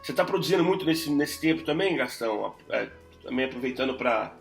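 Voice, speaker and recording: A man's voice: mid-range voice, lively intonation, brisk, gravelly, reverberant, soft background music. A man from Brazil co-hosting a casual podcast, asking questions in an upbeat, playful way. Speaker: podcast co-host.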